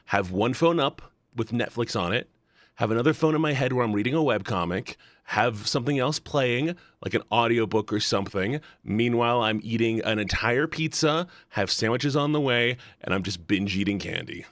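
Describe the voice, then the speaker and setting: A man's voice: medium pitch, lively intonation, moderate pace, a bit bright, no room sound, studio quality. A man talking casually on a livestream, rambling earnestly and bluntly and repeating himself for emphasis. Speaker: live streamer.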